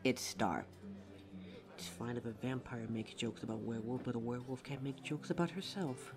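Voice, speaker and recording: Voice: mid-range voice, moderate pace, over music, close to an everyday voice. A performer playing a sassy, easily needled female werewolf customer in an audio roleplay, blunt and sardonic.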